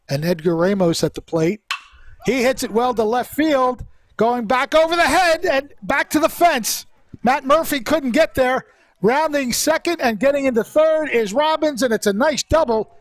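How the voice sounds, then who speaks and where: A man's voice: very high voice, normal speed. A man doing live play-by-play commentary of a baseball game in a conversational manner.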